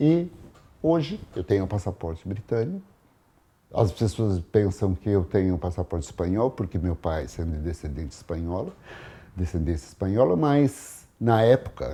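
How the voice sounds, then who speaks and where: A man's very deep, low-pitched voice with a dark, mellow tone, lively intonation and a somewhat breathy quality. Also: moderate pace. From Brazil, São Paulo. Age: 60s. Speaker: restaurant owner and caterer. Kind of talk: oral history interview. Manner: conversational, self-interrupting.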